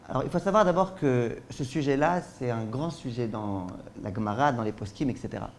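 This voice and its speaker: A man's voice: mid-range voice, a little mellow, slight background noise. A man, a rabbi, giving a spoken lesson on Jewish law, explaining through rhetorical questions and acted-out everyday examples, often checking that listeners follow. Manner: frequent checks with listeners ("d'accord?").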